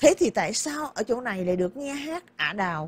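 The speaker is a woman. Her pitch is high. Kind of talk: audiobook narration, literary prose read aloud. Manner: even, measured storyteller's pace, formal and literary.

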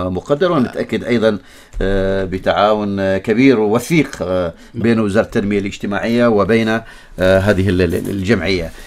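A man with an Omani accent talks at a moderate pace with a fairly low pitch. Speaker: radio host. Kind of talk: live radio talk show. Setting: studio. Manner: animated. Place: studio.

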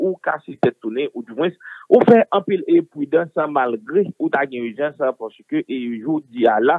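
A man with an unremarkable speaking voice, fairly high pitch, lively intonation and a moderate pace. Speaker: radio news reporter. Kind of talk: news report and commentary.

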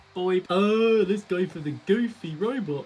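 A man speaks at a fairly slow pace in a put-on character voice with a high pitch. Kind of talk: casual vlog commentary. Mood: playful, amused.

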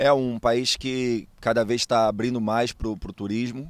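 With light background noise and a dry sound with no echo, a man speaks at a fairly slow pace. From Rio de Janeiro state, São Gonçalo/Niterói; Rio de Janeiro state, Brazil. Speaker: football fitness coach. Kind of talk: casual interview. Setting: outdoors at training ground. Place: stadium. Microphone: handheld.

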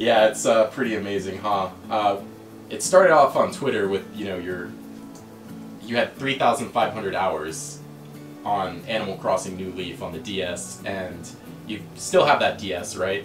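Speech at a moderate pace plays over clear music in the background. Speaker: YouTuber, game developer. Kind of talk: casual interviewer talk. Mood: warm, friendly. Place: home room.

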